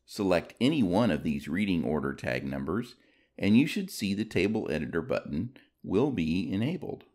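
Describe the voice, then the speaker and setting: A man's voice: deep voice, sing-song, moderate pace, darkish tone. A man reading scripted step-by-step instructions as a tutorial narrator.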